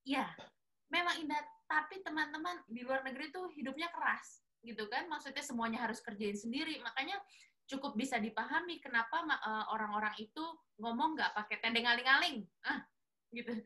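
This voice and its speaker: A woman hosting a casual interview, friendly and chatty. Her voice is fairly high and very bright. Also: a little fast. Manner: friendly, chatty, wraps up politely.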